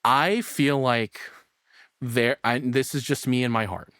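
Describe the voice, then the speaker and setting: A man's voice: mid-range voice, takes it slowly, fairly bright tone, clean tone, no echo, studio quality. A man giving casual, crude and profane commentary as a streamer reacting to a video.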